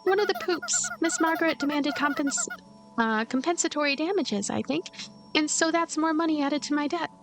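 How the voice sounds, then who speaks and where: Woman voicing a high-pitched, gentle ghost girl. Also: sing-song, moderate pace, faint music behind. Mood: sheepish. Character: gentle, giggly, self-effacing ghost girl.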